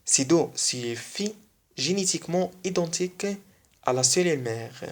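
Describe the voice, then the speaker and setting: A speaker whose first language is not French, giving a biology lesson online and repeating key phrases slowly for emphasis. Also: mid-range voice, lively intonation. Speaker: biology video teacher.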